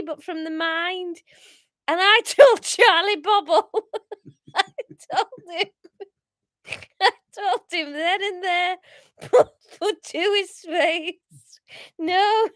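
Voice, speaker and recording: A woman's voice: very high-pitched, a bit bright, no echo, studio quality, pitched above the performer's own voice, exaggerated voice. A woman voicing an earnest, defiant man from a story declaiming long-winded last words in an attempted Scouse accent. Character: earnest, defiant male captive giving melodramatic last words.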